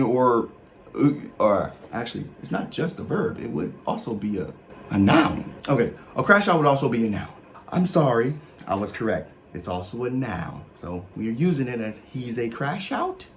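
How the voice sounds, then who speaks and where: A man's voice: mid-range voice, sing-song, normal speed, slight background noise. A man in his thirties speaking African American English, explaining slang and reading out a list in an emphatic, mock-official comedic way with casual asides. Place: small room with posters, indoors.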